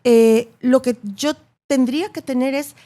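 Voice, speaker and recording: This journalist, appearing as an interview guest, has a high-pitched, warm voice with a steady tone and a slightly slow pace, plus a Latin American Spanish accent. She explains her views articulately and emphatically. Repeated words and rhetorical tags are how she builds and hammers home each point.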